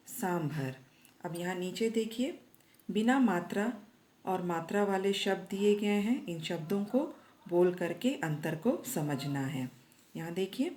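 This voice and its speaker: A woman teacher giving a patient reading lesson to young children, repeating each word clearly. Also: fairly low pitch, a little mellow. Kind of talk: slow classroom lesson reading aloud.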